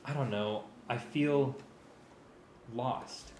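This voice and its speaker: A man's voice: medium pitch, extremely slow. A man reading the part of a troubled, ambitious young male warrior in a staged script reading, brooding and insistent. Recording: roomy space with loud string music.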